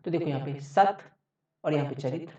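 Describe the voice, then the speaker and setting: A man giving an exam-prep grammar lecture. He repeats each point and keeps checking in with a quick "okay". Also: fairly high pitch, warm tone. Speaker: teacher. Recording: echoey, distant, dull mic.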